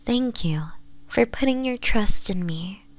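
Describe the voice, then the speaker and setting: A woman voicing a doting, possessive fox-woman mistress in an intimate ASMR roleplay, softly coaxing and often slipping into whispers. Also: fairly high pitch, animated, slow pace. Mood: pleased, devoted. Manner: soft, breathy, coaxing, often dropping into whispers.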